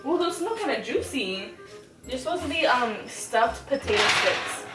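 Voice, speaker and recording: A woman's voice: high-pitched, big pitch swings, normal speed. An American woman casually reviewing food for a vlog, chatting informally with plenty of slang. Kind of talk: casual chat while tasting food on camera. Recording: roomy, off-mic, music behind.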